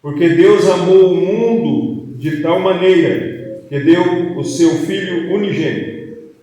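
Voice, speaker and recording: A Brazilian man preaching and reading scripture, speaking deliberately phrase by phrase in a church hall. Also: high-pitched, dark tone. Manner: deliberate, phrase by phrase, with rhetorical questions. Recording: very echoey hall, distant mic, faint noise.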